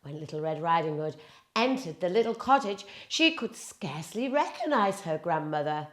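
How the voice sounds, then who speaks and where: A woman narrating a fairy tale for children in a dramatic, deliberate, expressive way. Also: on the low side. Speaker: children's storyteller. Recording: echoey room.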